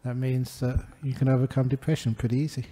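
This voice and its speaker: An older man gives an unhurried Buddhist talk with gentle humor. His voice sits at an everyday pitch but sounds deeply dark and mellow. His delivery is warm in pace and easygoing. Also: flat delivery. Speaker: Buddhist monk giving a dharma talk. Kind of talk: relaxed dharma talk with anecdotes.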